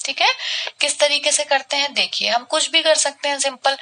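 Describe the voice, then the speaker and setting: A woman teaches reasoning in an online exam-prep lesson. Her voice is bright and a little high, with a gravelly fry underneath. She walks through each pattern step by step, drops in English terms, and keeps checking that the class is following. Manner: explains step by step, checks in with "ठीक है"; mixes English terms into Hindi.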